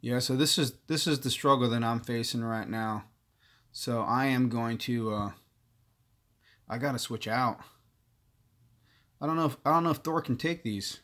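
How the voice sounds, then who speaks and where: A man's voice: mid-range voice, moderate pace, pauses often, a bit bright. A man hosting a gaming livestream, chatting casually and thinking aloud, with many filler words. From partly Korean heritage. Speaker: livestream host.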